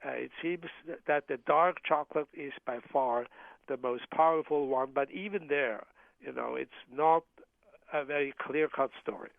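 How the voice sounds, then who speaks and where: Interview guest: a man from Switzerland, measured and halting, on a tinny dry phone line. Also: fairly high pitch, vocal fry, no echo. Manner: measured, hesitant with frequent uh fillers and restarts. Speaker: guest, professor of medicine.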